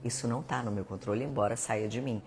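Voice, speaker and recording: A woman's voice: very deep voice, fast talker, darkish tone, slight background noise. Chatty Brazilian woman giving life advice. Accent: Brazilian Portuguese. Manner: chatty, conversational, addresses viewers as gente, acts out little dialogues. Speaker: live stream host. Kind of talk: casual self-help talk.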